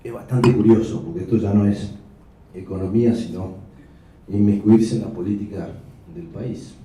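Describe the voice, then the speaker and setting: A man's voice: lowish voice, fairly even intonation, warm tone. Argentine man lecturing in echoey hall. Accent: Argentine Spanish. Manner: measured, explanatory, with asides and self-corrections. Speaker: economist giving a talk. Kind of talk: lecture with slides. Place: hotel function room. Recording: echoey room, mic far off.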